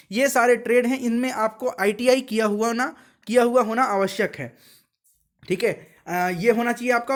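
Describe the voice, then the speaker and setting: Guy going through a notice, explainer style, informal and instructional, keeps checking you're following. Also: very high voice. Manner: instructional, often checking in with listeners. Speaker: presenter of exam and job notice videos.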